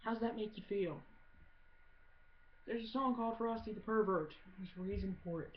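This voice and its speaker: A woman rambles casually to her video audience with blunt, sarcastic humor and plenty of swearing. Her pitch sits in the middle for a woman. The recording is dull and muffled, with noticeable noise behind her. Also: moderate pace. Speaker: amateur video blogger. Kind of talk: casual comedic rambling monologue. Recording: muffled audio with clear background noise.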